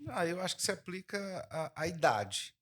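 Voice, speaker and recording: A middle-aged man with a Goiás accent, a podcast guest who tells stories in a lively way and acts out the dialogue. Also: fairly high pitch, normal speed, slightly rough. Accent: Goiás Brazilian Portuguese. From Brazil, Goiás. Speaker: guest, music producer. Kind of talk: casual podcast chat.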